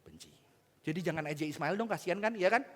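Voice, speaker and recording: A man preaching a lively, playful sermon to young people, coaxing and shouting along with the crowd. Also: sits high, quick pace, a little hiss or hum. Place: large church hall. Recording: church hall reverb with faint music.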